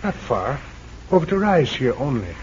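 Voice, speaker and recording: A man's voice: mid-range voice, very animated, normal speed, darkish tone, close to an everyday voice. A man as a formal, earnest jungle ally in a radio serial. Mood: grave. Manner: formal, stilted speech without contractions. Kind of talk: 1940s radio acting. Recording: dull, hissy old radio recording.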